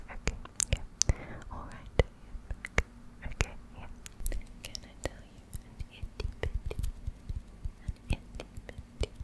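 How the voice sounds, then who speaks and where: A woman whispers at a fairly slow pace with long, frequent pauses. Her loudness swings widely. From Australia. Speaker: ASMR artist. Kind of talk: ASMR whispered personal attention. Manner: whispered.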